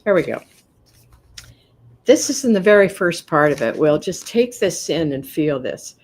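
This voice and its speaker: A woman hosting a spiritual live stream and giving card readings, talking in a gentle, earnest way with soft laughs, her voice a little worn. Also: lowish voice, very animated, a little slow, slight background noise. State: losing her voice. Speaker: host and card reader.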